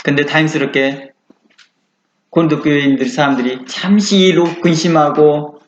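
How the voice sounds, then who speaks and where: A man preaching a sermon as a pastor, in an earnest, conversational way and with many rhetorical questions. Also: sits high. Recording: echoey room, dull lo-fi sound with faint noise.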